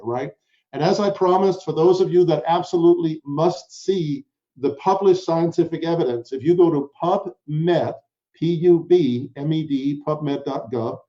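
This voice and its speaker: A man's voice: a little high, dark tone, lo-fi sound. A man from Denmark hosting a webinar, upbeat and chatty, talking straight to the audience and introducing a guest. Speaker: webinar host. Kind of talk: presenting a sales webinar.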